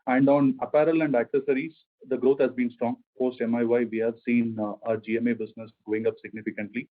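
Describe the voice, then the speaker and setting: Man, medium pitch, company executive, measured corporate explaining, narrow phone-band sound. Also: level tone. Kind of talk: answering analyst questions on an earnings call. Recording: phone-like conference call line.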